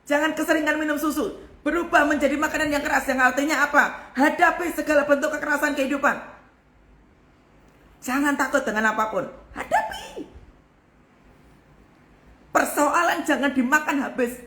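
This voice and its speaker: Woman pastor, high voice, hard-hitting emphatic sermon delivery, echoey room. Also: fairly even intonation, fairly quick. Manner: forceful, emphatic preaching. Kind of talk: live devotional sermon.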